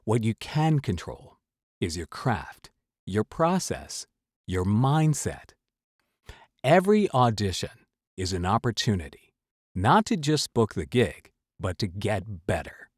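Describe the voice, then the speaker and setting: A man hosting a motivational advice talk, emphatic and semi-scripted, with dramatic pauses. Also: lowish voice, sing-song, husky, no room sound, clean studio sound. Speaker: host, voice-over coach.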